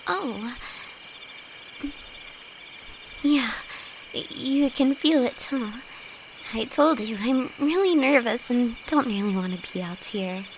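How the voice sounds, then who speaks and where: A woman's voice: on the high side, lively intonation, unhurried. A woman acting a timid, affectionate young apprentice alchemist in an intimate audio roleplay, nervous, stammering and hesitant, speaking to her best friend. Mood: shy, nervous. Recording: insect and cricket noise behind voice. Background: night forest ambience with crickets.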